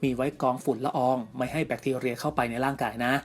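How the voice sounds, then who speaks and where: A man narrating an entertainment news story in a steady, scripted reading voice. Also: medium pitch, quick pace. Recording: music bed faint underneath.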